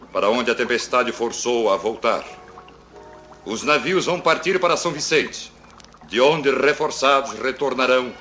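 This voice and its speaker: Dramatic war correspondent over music. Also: male voice, medium pitch. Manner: formal, dramatic on-the-spot reporting. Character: urgent male war correspondent reporting from a colonial expedition. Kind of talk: 1960s radio news dramatization, war-correspondent reporting. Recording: old radio recording with loud music behind.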